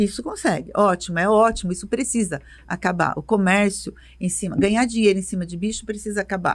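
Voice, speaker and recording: A fairly quick, animated, somewhat breathy delivery with ordinary pitch variation, in a very clean recording with a silent background. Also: woman, medium pitch for a woman. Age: 60s. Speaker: animal rescuer. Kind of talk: podcast interview.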